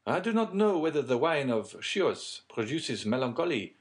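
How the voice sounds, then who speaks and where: Man voicing an excitable gentleman, raised pitch. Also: moderate pace. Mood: curious.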